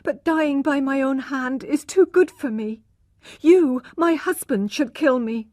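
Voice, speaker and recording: A woman voicing an ashamed young wife near tears, speaking in a high, trembling, pleading voice. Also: unhurried, darkish tone, no room sound, clean studio sound. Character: tearful, ashamed young wife, humble and despairing.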